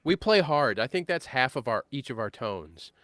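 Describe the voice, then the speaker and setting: A man in his late thirties hosting a casual live-stream chat about guitar tones, easygoing and quick to laugh. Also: mid-range voice, big pitch swings. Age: 30s. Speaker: host.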